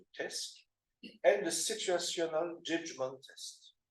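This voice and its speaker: A man with a French accent, at a fairly slow pace. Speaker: doctoral researcher in psychology. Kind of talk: conference talk. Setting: academic conference. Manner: halting, many fillers.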